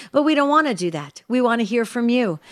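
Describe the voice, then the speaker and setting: A woman with an American accent speaks in a plain, everyday voice, fairly high in pitch. Her pace is fairly quick and her intonation lively. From New Jersey. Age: 50s. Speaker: radio host. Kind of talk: call-in radio show.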